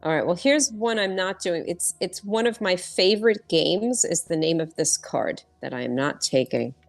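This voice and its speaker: A woman's voice: fairly low pitch, animated, normal speed, gravelly, faint music behind. A woman from the US chatting casually while playing a board game online, often restarting her sentences. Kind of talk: casual chat while gaming.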